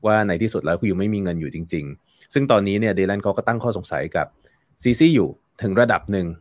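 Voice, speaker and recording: Guy with a lowish voice walking through his take, lots of fillers and stumbles, dry close sound. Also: expressive, fast, no room sound. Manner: explanatory, with frequent fillers and repeated words. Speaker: guest commentator. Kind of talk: casual interview talk.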